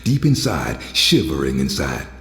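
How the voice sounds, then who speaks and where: A hardened, sardonic antihero for a video game. His gruff voice sits very low and taunts in plain, streetwise phrases. The sound carries hall reverb. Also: big pitch swings, a little slow, heavily acted. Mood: menacing scorn. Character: gruff, tough, cynical male antihero with shadow powers. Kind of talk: video game drama acting.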